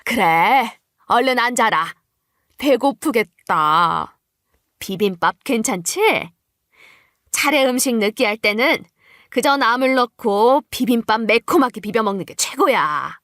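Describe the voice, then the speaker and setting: A woman's voice: a little high, animated, takes it slowly, a bit bright, no room sound, studio quality, full character voice. A woman acting a scheming middle-aged mother-in-law in an audio drama, coaxing with false sweetness and feigned innocence. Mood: falsely sweet, coaxing.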